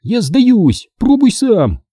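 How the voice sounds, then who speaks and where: A man voicing an excitable, quick-tempered girl in a storybook reading. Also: very high voice, breathy edge, no echo, studio quality, pitched above the performer's own voice, heavily acted. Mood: exasperated.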